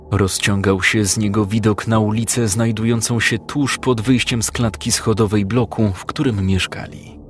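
A male narrator reading a dramatic story in a calm, measured way. His voice sits on the low side, and soft music plays faintly beneath the narration. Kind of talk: scripted audiobook narration.

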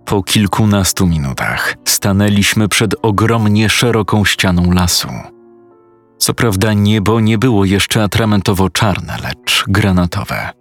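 A man with a lowish voice tells a first-person horror story, casual and crude, often poking fun at himself. Faint music plays under his narration. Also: a little slow, fairly bright tone. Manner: crude, casual, self-mocking.

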